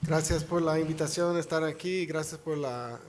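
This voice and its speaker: A man's voice: on the high side, normal speed, darkish tone, a little hiss or hum. A man giving an academic seminar talk in Spanish, which is not his first language, with many restarts and fillers. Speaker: seminar speaker. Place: conference hall.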